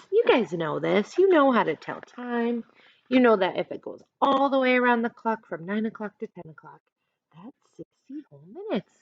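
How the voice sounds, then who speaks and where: Female elementary teacher, animated read-aloud with plain asides to children. Very varied pitch, unhurried delivery. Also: no echo, muffled recording. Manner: explains simply, addressing young listeners directly.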